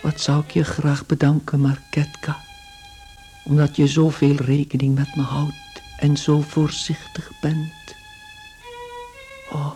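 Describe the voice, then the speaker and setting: Slow, dark, wistful young man. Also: fairly high pitch, poor audio. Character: wistful, gentle young man transformed into a beetle. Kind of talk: radio play monologue acting. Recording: violin music behind the voice.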